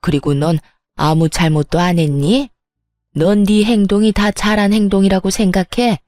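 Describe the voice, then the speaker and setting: A woman's voice: medium pitch, steady tone, normal speed, mellow, no echo, faint music behind, lightly acted. A woman voicing a furious, spiteful older mother-in-law who berates and sneers, in a dramatized story reading. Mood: angry scolding.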